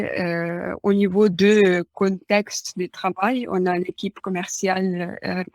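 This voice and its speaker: A woman's voice: medium pitch, a little mellow, dry recording. Hesitant woman with a Ukrainian accent. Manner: hesitant, many fillers. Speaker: guest. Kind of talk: casual interview answers.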